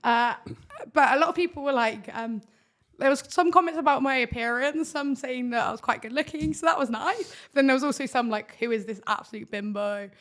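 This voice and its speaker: A young woman with a loud voice, chatting enthusiastically as a podcast guest, full of "like" fillers. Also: high-pitched, a little fast. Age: young adult. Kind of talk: casual interview chat.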